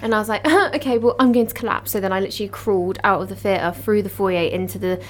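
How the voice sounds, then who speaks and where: There is noticeable background noise. Through it, a woman talks. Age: 20s. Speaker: podcaster. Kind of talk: casual chat. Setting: studio.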